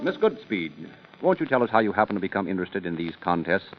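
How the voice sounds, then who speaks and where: A man's voice: low voice, very animated, quick pace. A man hosting a 1930s radio program, narrating oddities and interviewing a guest in a formal, showman-like announcer style. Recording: muffled 1930s radio recording with music.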